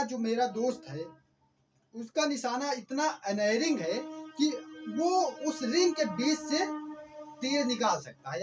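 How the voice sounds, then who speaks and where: Male vocab teacher, lively up-and-down delivery, quizzes himself constantly. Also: very high voice. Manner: asks himself quick questions and repeats each word. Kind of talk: explanatory vocabulary lesson.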